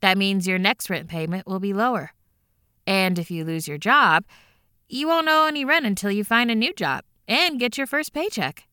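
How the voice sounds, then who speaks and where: A cheerful housing caseworker speaks in a bright, crisp voice with lively pitch. She reassures the caller and stays businesslike. The sound is dry and close. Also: normal speed, no room sound. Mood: reassuring. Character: upbeat adult woman housing caseworker. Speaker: housing phone agent.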